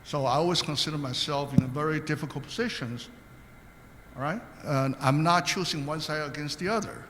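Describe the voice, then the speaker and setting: Older panel guest, earnest and anecdotal, slightly high voice, recorded in a reverberant hall. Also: male voice, brisk, a bit bright, slight background noise. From Taiwan. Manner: earnest, anecdotal, with hesitant restarts. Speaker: guest speaker, state commissioner. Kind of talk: panel talk answering questions.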